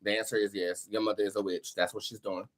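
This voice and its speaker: An American man hosting a live tarot reading show, talking in sassy, expressive slang with plenty of swearing. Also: fairly low pitch, fast, heavy background noise. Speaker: tarot reader and show host.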